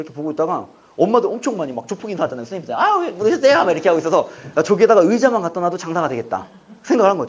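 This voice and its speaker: A man's voice with very wide pitch swings. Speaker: author and cafe owner giving a guest lecture. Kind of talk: lecture. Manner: fast; animated.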